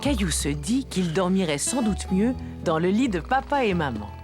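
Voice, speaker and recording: A woman narrates a children's tale in a fairly low voice with lively, swinging intonation. The reading is scripted storytelling, with music clearly behind it. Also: moderate pace.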